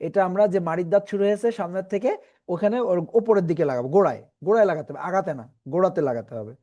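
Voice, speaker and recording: A man teaching Quran reading in an online class, patiently explaining and slowly repeating letter sounds for his students. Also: sits high, mellow, dull audio.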